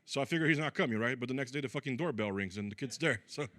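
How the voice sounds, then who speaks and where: A man's voice: mid-range voice, very fast, dry recording. Brazilian-born man doing dry stand-up. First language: Portuguese. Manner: deadpan, crude punchlines with frequent fillers. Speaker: stand-up comedian. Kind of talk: stand-up comedy set. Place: comedy club stage.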